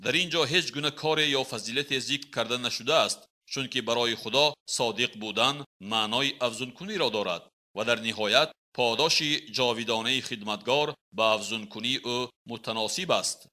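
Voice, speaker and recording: A man, reading a Christian teaching book aloud in a measured, teaching manner. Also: mid-range voice, pushed and bright. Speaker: audiobook reader. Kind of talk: scripted narration of a Christian book.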